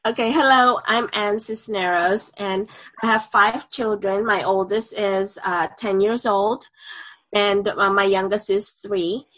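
Woman from Indonesia, thirties, podcast guest, hesitant and halting. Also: medium pitch, fairly even intonation, a bit bright, poor audio. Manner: hesitant, with many filler sounds. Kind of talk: interview.

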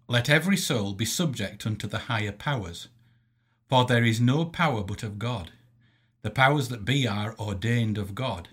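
Husky-voiced man reading a formal lecture. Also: lowish voice, fairly bright tone. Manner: measured, didactic, emphatic enunciation of quotations. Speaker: Christian lecturer. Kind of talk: formal scripted theological lecture read aloud.

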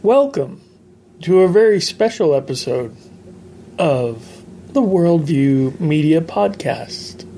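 A man's voice: a little high, animated, slow, warm tone, a little hiss or hum. A man hosting a podcast in casual chat, joking and playful with his co-hosts. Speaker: podcast host.

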